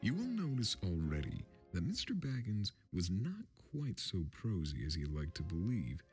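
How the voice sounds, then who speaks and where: A man's voice: deep voice, huge pitch swings, moderate pace, darkish tone. A man reading a fantasy storybook aloud as scripted narration, in the role of storyteller. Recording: film score music underneath.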